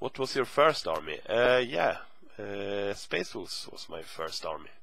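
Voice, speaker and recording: Speaking at a fairly slow pace, a man with a Swedish accent shows big swings in loudness. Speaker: wargaming hobbyist. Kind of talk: casual talk to camera.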